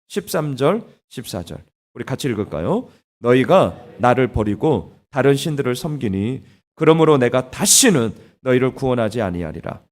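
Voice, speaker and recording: A man preaching a sermon in a church, animated, acting out blunt scolding lines. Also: mid-range voice. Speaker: pastor. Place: church sanctuary.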